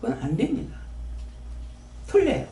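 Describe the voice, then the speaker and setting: Gyeongsang woman pastor, lively sing-song delivery, folksy, acts out dialogues, mic off at a distance in a reverberant hall. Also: fairly low pitch, normal speed. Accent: Gyeongsang Korean. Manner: animated, folksy, acts out her prayers and God's answers. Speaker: preacher at a prayer house. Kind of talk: sermon. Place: prayer house hall.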